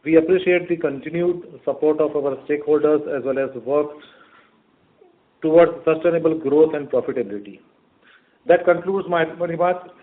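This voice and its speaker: A man's voice: on the high side, normal speed. A man with an Indian accent formally reading a scripted financial report as a company executive on a conference call. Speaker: company executive presenting results. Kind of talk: scripted earnings report read aloud. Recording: muffled narrowband conference phone line.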